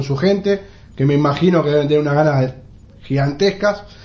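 Fairly high male voice at a fairly quick pace, ordinary pitch variation and noticeable background noise. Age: 40s. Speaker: podcast interviewer. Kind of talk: casual interview. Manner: halting, many repetitions and fillers.

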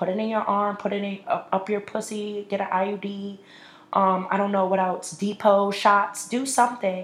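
Somewhat breathy and fairly even in intonation, a woman talks at a medium pitch and moderate pace. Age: 20s. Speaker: podcast host. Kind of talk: casual solo talk.

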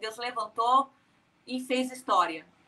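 A woman's voice with a high pitch. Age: 40s. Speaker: church history teacher. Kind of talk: casual chat.

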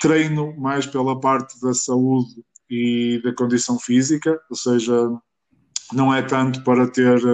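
Monotone, flat intonation at a very slow pace, with a European Portuguese accent. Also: man, medium pitch for a man. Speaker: fitness coach. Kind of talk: casual chat.

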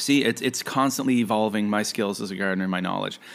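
A man with a Maritime Canadian accent talks at a very fast pace with lively intonation, on a very clean recording with a silent background. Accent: Canadian (Maritimes). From Nova Scotia, eastern Canada. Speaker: podcast host, early years educator. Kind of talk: solo podcast monologue.

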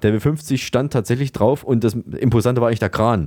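On a very clean recording with a silent background, the voice carries a dark, mellow tone. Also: man. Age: 40s. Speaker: comedy podcast host. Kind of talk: casual chat.

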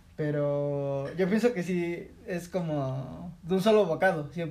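A man talks at a fairly slow pace in a high voice with ordinary pitch variation. There is noticeable background noise. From Mexico, Oaxaca. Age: 30s. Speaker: podcast host. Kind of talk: casual chat.

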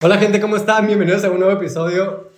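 A man speaks in a somewhat breathy voice. The room echo is audible. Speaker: podcast co-host. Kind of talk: casual chat.

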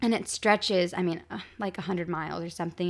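On a very clean recording with a silent background, a woman with an American accent speaks at medium pitch in a bubbly tone. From Ohio, US Midwest. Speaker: TV presenter, former reality TV cast member. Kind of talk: casual chat.

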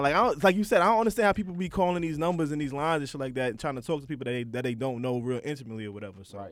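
With an American accent, a man speaks at a very fast pace and a fairly high pitch. His tone is animated and his intonation lively. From New York and Atlanta, Georgia. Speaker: podcast host. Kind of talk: casual chat. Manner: animated, casual.

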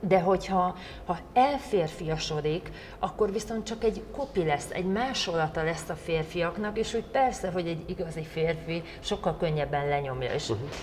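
Background noise is noticeable. A woman speaks with a fairly low pitch. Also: lively intonation, moderate pace. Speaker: author and entrepreneur. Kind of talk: interview.

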